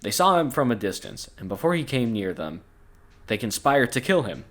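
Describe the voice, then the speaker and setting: Scripture reading turns into crude joking and plenty of laughter from this podcast co-host. His mid-range male voice is very animated and moves at a normal speed.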